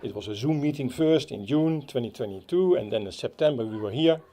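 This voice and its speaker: A man with a Dutch accent giving a halting speech at a playground opening, with many fillers and restarts. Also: mid-range voice, animated, mellow. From Netherlands. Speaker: Rotary club speaker. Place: outdoor playground.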